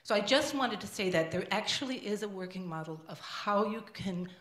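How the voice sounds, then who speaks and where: An older woman in the audience giving an impassioned comment into a handheld microphone at a panel, getting louder and more emphatic. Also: mid-range voice, expressive, a little fast, crowd noise. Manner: emphatic, grows louder and forceful. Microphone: handheld microphone passed in audience. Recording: echoey room.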